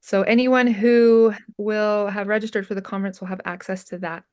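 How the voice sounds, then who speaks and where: A woman's voice: medium pitch, level tone, normal speed, a little mellow, clear, resonant tone. A woman hosting an interview, friendly and upbeat as she announces a conference and asks questions. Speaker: interviewer, event organizer.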